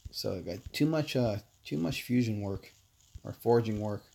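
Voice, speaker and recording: A man casually chatting with viewers while playing a game on a livestream, relaxed and talkative. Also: on the low side, moderate pace, gravelly. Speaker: livestream gamer.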